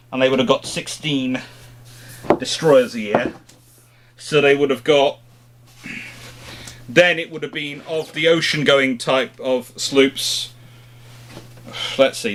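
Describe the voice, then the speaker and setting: A man's voice: mid-range voice, a bit bright. A man hosting an informal question-and-answer chat, explaining things off the cuff and often rephrasing mid-thought. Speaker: host of a history question-and-answer show.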